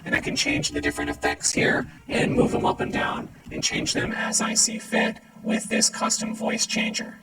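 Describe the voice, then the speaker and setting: A man demonstrating a pitch-shifted robot voice changer in a software tutorial. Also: fairly even intonation, moderate pace, gravelly, few pauses, echoey room, rough recording. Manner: demonstrating his voice through the effect. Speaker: tutorial host.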